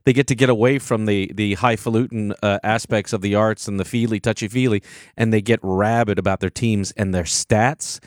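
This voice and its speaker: A man's voice: on the low side, steady tone, a little fast, no room sound, clean studio sound. A man being interviewed on radio as an actor guest, talking eagerly and often restarting and repeating words.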